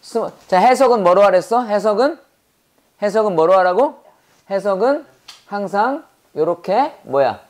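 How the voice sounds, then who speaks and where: A Korean-accented woman gives a classroom English grammar lecture, quizzing students with rapid rhetorical questions one after another. She slows way down to drill English phrases for them to repeat, her mid-range voice animated and darkish in tone.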